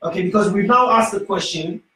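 A middle-aged man with a Sierra Leonean accent hosting a call-in radio talk show, often pausing with "um" as he frames questions in a small studio. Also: high-pitched, pushed and bright, recorded from a distance. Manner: hesitant, many "um" fillers. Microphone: studio microphone, headphones. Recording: echoey studio from off-mic.

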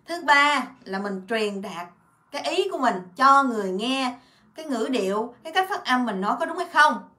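A woman teaching a Korean grammar lesson in a casual way, explaining in Vietnamese and repeating Korean words and example sentences in quick bursts. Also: high-pitched, animated, pushed and bright, echoey room. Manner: refers to herself by her own name and as teacher.

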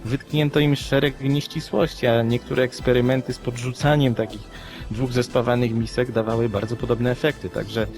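Man, middle pitch, podcast co-host, conversational storytelling, measured explanatory delivery, music behind. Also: level tone, a little mellow. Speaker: podcast co-host and commentator on UFO cases. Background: background music.

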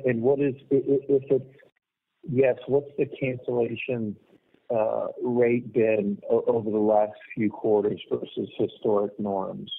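A man asking careful, deliberately phrased questions as a financial analyst on a formal earnings call. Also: mid-range voice, little pitch movement, vocal fry. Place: telephone handset on conference call. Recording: muffled, narrow phone line.

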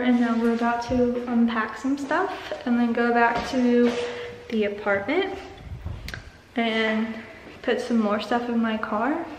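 A woman's voice: on the high side, background noise. A young woman vlogging casually into a handheld camera, chatty and giggly as she gives a tour of an empty house. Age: young adult. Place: car, then empty house with bare rooms. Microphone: handheld camera at arm's length. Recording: echoey empty rooms.

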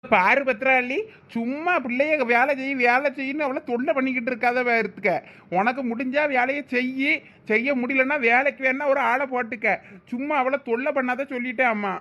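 A man's voice: extremely high pitch, steady tone, a little fast, sharp tone. A man with a Thoothukudi Tamil accent playing an indulgent village father who soothes and spoils his daughter in a comedy skit.

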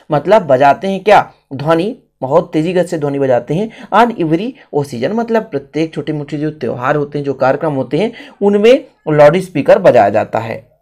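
A man's voice: on the high side, a little mellow. An Indian man teaching a writing lesson step by step, repeating phrases and switching languages as he explains each one.

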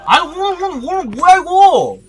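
A man doing excited commentary as a gaming YouTuber, shouting and groaning as he opens eggs, with mock-formal asides. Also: very high voice, normal speed, heavy background noise. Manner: animated, shouts and groans while opening eggs.

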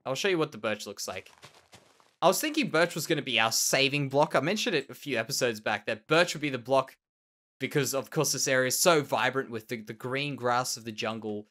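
Bright and forceful, his mid-range voice is expressive and a touch fast. The speaker, an Australian let's play host with a nasal, slightly tender quality, offers casual commentary on his Minecraft build, musing and repeating words.

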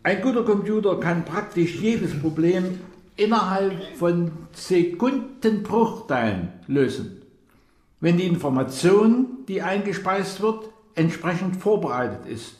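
Male actor for stiff, courteous government official, radio drama; high voice, deliberate delivery, roomy echo. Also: animated, darkish tone. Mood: formal, measured. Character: formal, courteous government official chairing a secret briefing. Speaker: official leading a project briefing. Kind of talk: formal, measured radio drama speech.

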